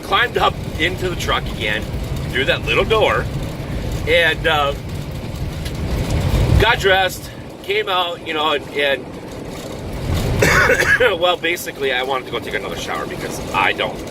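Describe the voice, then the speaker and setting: A man with a fairly high voice tells a story in a loose, casual style. He exaggerates for comic effect, pokes crude fun at himself and breaks his sentences into short phrases. A very loud vehicle-like rumble sits behind his voice. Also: unhurried, pauses often. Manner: animated, self-mocking, crude humour with dramatic exaggeration. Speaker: truck driver telling a personal story on own channel. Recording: loud engine-like rumbling background noise.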